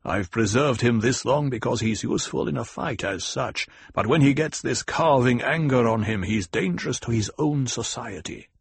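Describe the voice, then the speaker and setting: A man voicing a grave desert tribal leader, speaking low, slow and measured. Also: creaky, slightly rough, no room sound.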